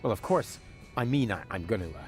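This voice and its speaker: A man's voice: fairly low pitch, expressive, a little fast, faint music behind, lightly acted. A man playing a cocky, scheming, whiny adventurer in a video game, theatrical and sarcastic. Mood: smug.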